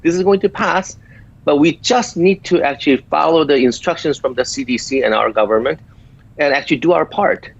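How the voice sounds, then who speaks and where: A man's voice: on the high side, brisk, creaky. A man in his fifties from South Korea with a small Korean accent, a physician explaining things patiently in an interview with frequent hesitant fillers. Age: 50s. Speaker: guest physician. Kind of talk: interview answers. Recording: dull lo-fi audio.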